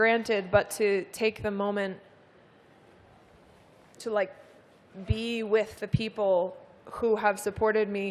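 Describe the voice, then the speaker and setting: A woman with an American accent speaks very slowly. Her fairly high voice keeps a fairly even intonation. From United States. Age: 30s. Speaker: Olympic alpine skier. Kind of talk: press conference interview answer.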